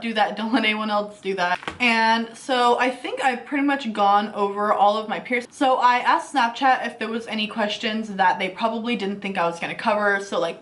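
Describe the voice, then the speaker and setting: A woman in her twenties talks to her camera with a slight lisp, answering viewer questions in a loose, chatty way. She is easygoing and fills her sentences with casual fillers. Her pitch sits in an ordinary middle range for a woman. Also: a bit bright. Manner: chatty and easygoing, many fillers like "like" and "you know". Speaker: beauty and lifestyle vlogger.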